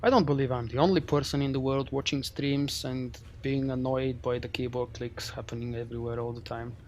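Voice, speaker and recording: A man's voice: medium pitch, steady tone, brisk, a little mellow, a little hiss or hum. A man from Bulgaria with a Bulgarian accent, chatting casually as a game streamer, self-mocking and talkative.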